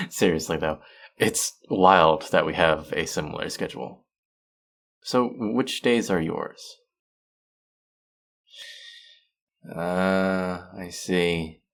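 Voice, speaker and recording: A man's voice: deep voice, slow pace, vocal fry, fairly bright tone, heavily acted. A man playing a friendly, teasing, slightly bashful young traveler in a casual, intimate one-sided audio roleplay. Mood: teasing, intrigued.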